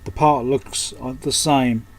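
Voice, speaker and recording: A man's voice: medium pitch, steady tone, takes it slowly. A man giving casual, unscripted hands-on repair commentary, thinking aloud as he works. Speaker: host of an electronics repair channel. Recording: clearly noisy background.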